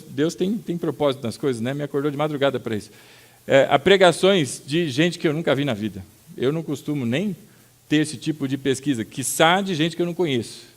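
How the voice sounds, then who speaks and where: A man with a Brazilian Portuguese accent preaching a sermon as pastor, telling stories with sudden loud acted-out outbursts and calling his listeners brother. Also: fairly high pitch. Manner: addresses the congregation as brother.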